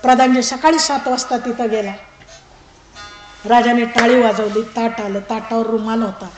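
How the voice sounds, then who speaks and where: A woman giving a religious discourse to a live audience, telling a parable in a lively way and acting out its characters. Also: a little high, moderate pace, over music. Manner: lively storytelling that acts out characters and street calls. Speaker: pravachan speaker. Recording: echoey hall with audience noise.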